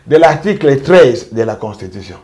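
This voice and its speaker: A man speaking as a jurist gives an interview. His voice sits at an ordinary middle pitch. He builds a deliberate, emphatic argument, stressing each point and repeating it. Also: big pitch swings, a little mellow. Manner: emphatic, measured legal argument with deliberate repetition. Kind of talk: interview commentary.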